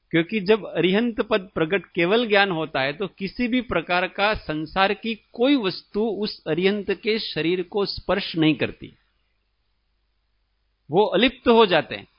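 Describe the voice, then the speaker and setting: A man from India, a spiritual teacher, gives a religious discourse in a high voice, slowly explaining and asking his listeners questions. The recording is dull and lo-fi, and his voice sounds dry and close. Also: lively intonation, no room sound.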